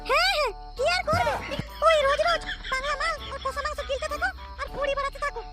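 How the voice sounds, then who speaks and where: Naggy cartoon wife, really high shrill voice, sarcastic, music behind. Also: female voice, fast. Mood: scolding, sarcastic. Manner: sarcastic, scolding. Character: shrill nagging sarcastic middle-aged wife. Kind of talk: comic cartoon dialogue.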